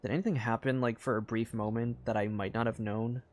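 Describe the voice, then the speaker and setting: A man streaming a game, reacting excitedly and reading game text aloud in casual commentary. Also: medium pitch, fairly quick. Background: faint game music.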